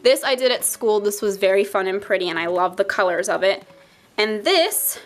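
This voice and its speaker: A woman's voice: mid-range voice, lively intonation, normal speed. A young woman with a stuffy nose chatting casually through a sketchbook tour, rambling and joking at her own expense. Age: young adult. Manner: chatty, self-mocking, rambling asides. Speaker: art YouTuber.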